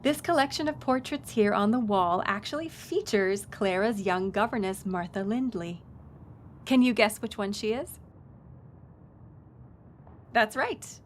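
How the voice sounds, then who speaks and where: A woman's voice: medium pitch, unhurried, a little hiss or hum, lightly acted. A woman playing a friendly, knowledgeable historic house tour guide in an audio roleplay, speaking in an informative, conversational way. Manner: conversational, informative, engages the listener with questions.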